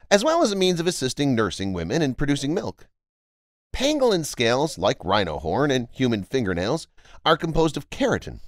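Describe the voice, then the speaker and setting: Male narrator, mid-pitched, animated delivery, dry close-mic voice-over. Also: dry recording. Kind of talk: scripted documentary narration.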